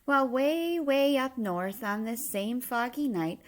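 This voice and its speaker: A woman with a fairly high voice reads a children's picture book aloud. She takes her time, delivering rhyming verse at a very slow, measured pace with an expressive storyteller's touch. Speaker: story reader.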